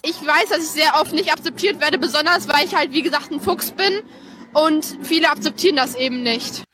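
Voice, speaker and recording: A woman's voice: high-pitched, a little fast, bright, forceful tone, a little hiss or hum. A woman speaking plainly in an interview. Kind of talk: interview statement.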